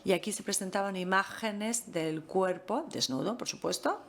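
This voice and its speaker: Woman, mid-pitched, measured lecturer who pauses a lot. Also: gravelly, fairly bright tone, slight background noise. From France. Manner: measured, pauses often with fillers. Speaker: guest lecturer. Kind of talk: master class talk.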